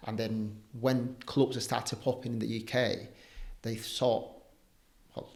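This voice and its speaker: A young Spanish padel coach chats casually in an interview, relaxed and peppering his speech with fillers like "um" and "like." His voice is mid-range and gravelly, and he speaks slowly.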